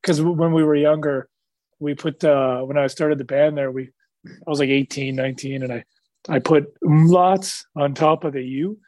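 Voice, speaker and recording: A man being interviewed as a musician, relaxed and joking, laughing a lot and swearing freely. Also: on the high side, moderate pace, dry recording, low-quality recording. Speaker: musician guest. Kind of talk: casual interview.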